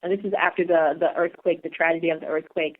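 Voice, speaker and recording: A woman's voice: sits low, level tone. Eager podcast co-host woman on phone line. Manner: enthusiastic, earnest, a bit halting. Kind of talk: podcast hosting, reading a bio. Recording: tinny phone-line audio.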